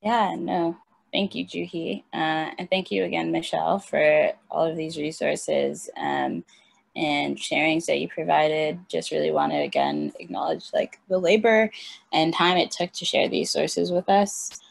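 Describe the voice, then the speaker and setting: A woman moderating an online panel over a video call, halting, with many ums and likes. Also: low-pitched, steady tone, gravelly.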